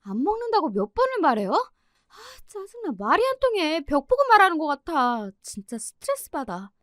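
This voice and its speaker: A woman's voice: high-pitched, very animated, normal speed, dry recording, clean studio sound, voice pushed up. A woman voicing an irritable teenage girl student who whines and snaps back. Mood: shouting fed up. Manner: whiny, snapping, exasperated.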